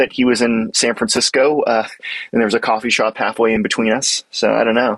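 The sound is close and dry, without any echo. A man speaks fairly quickly in it. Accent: American. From US Northeast, Boston area. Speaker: app developer and co-founder. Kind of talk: interview.

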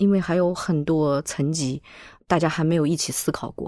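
A woman's fairly low voice at a moderate pace, ordinary pitch variation, on a very clean recording with a silent background. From Hangzhou, China; moved to US at 14. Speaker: architect and teacher. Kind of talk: interview conversation. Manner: repeats words, hesitant starts.

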